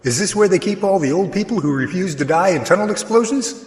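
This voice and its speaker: A man's voice: high-pitched, expressive, fast talker, reverberant, long reverb tail. A man acting a brash, sarcastic, needling younger man in an amateur radio drama. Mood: mocking. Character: mocking, wisecracking younger man, brashly affectionate.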